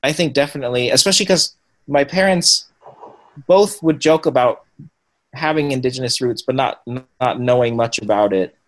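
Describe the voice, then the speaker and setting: A man's voice: medium pitch, normal speed, rough recording. A young man giving an interview, speaking thoughtfully with frequent ums and restarts. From Washington State and Cambodia. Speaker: guest. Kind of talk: conversational interview.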